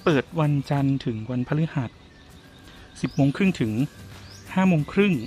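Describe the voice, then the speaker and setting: A man's voice: a little high, moderate pace, a little mellow, soft background music. A man vlogging casually while walking outdoors, chatty and exclaiming as he talks to his viewers. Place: outdoors on a street and in a garden cafe.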